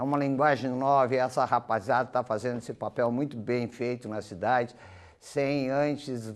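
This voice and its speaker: The man speaks at a medium pitch and a moderate pace, keeping his intonation fairly even. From Brazil, Rio Grande do Sul (Santa Maria). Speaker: rock musician, band singer. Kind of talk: TV interview.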